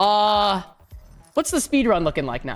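Faint music plays in the background. Over it, a man speaks with very wide pitch swings. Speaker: streamer doing a ranked speedrun. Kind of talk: casual stream commentary. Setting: good streaming microphone. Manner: energetic, hyped commentary. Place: home room. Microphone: studio mic.

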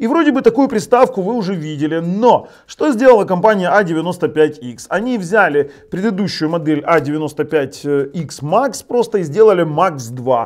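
A man's fairly slow speech with very wide pitch swings, against a quiet background. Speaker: tech reviewer. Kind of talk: product review talk. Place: studio.

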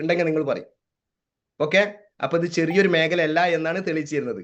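In a Malappuram accent, a man speaks at a high pitch with fairly even intonation. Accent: Malappuram Malayalam. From Kerala, Malappuram. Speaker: direct-selling business leader. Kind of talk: motivational sales talk.

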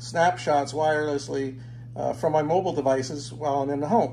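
Light background noise runs under a man's voice. He talks at a very fast pace with fairly even intonation. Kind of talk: casual tour narration. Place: home room.

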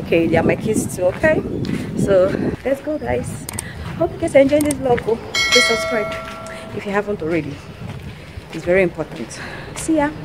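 Loud background noise runs under speech broken by long, frequent pauses. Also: woman, moderate pace. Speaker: vlogger. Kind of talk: casual vlog chat. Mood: cheerful, laughing. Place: street. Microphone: phone near.

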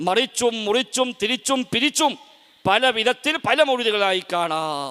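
A man speaks in a raised, projected voice. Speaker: Islamic preacher. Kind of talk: religious debate talk.

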